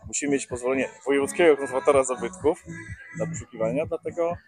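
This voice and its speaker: A man in his forties talks through an outdoor interview on a lapel mic, his voice a little husky and of middle pitch. He is hesitant, full of filler sounds and small restarts. Faint music drifts in behind him. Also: fast, dry recording. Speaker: organizer of a metal-detecting rally. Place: garden outdoors in summer.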